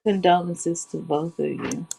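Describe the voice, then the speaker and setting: A woman's voice: fairly low pitch, steady tone, measured pace, gravelly, crowd noise, poor audio. A woman co-hosting a casual live-stream chat, playful and blunt. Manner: playful, blunt, sassy asides. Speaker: co-host.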